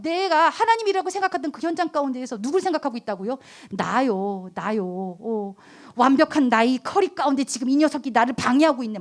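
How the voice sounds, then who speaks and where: Animated woman pastor, high lively voice. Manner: animated, acts out quoted voices, asks the listeners questions. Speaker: youth pastor. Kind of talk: sermon to high school students.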